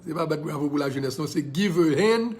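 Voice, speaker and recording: A man with a Haitian accent talks straight to his viewers in a casual live video, impassioned and preachy. His voice sits a little higher than most men's, and he drops English phrases in here and there. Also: animated, brisk, a little mellow. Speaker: social media personality.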